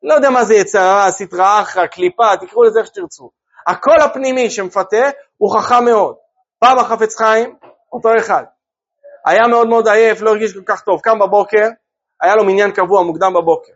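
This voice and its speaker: Male Torah teacher, lively, rhetorical, dull lo-fi sound. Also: high voice. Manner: lively, asks listeners rhetorical questions. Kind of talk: religious class to a group.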